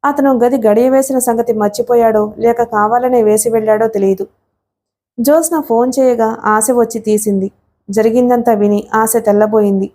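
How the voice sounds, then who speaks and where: A woman narrating a novel for an audiobook in a steady, expressive storytelling manner. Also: a little high, normal speed.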